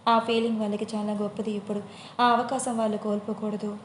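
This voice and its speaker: A gentle, protective young man, read by a woman storyteller speaks in a soft, reassuring tone. The delivery stays even and level with little rise and fall. The voice carries a roomy echo over a faint hum. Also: mid-range voice, fast talker, lightly acted. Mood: pleading. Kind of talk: audio story character voice.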